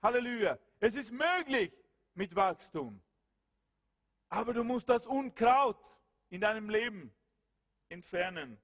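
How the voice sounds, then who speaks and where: A man preaching a sermon and praying aloud, with impassioned calls that drop to low murmurs. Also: expressive, measured pace, pauses often, fairly bright tone. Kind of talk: sermon with prayer. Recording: long hall reverb.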